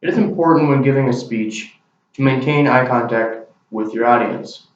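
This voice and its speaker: At a normal speed, a young man presents a class speech to a camera, earnest and plain in his delivery. He's a student with a mid-range voice. Because it was recorded on the camera mic, the audio is very echoey, distant and dull.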